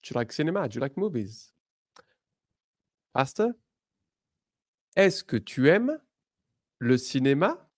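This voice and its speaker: A male teacher leads a beginner lesson. He speaks very slowly, giving each word room. His pitch swings up and down with lively emphasis. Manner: slow, deliberate, lively, switches between English and French. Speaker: French teacher.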